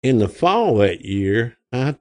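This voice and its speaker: A man's voice: medium pitch, sing-song, takes it slowly, darkish tone. A man in his sixties from Arkansas, with an Arkansas accent, telling rambling folksy stories as an interview guest and acting out the voices of people he quotes. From Arkansas, USA. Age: 60s. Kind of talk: casual storytelling.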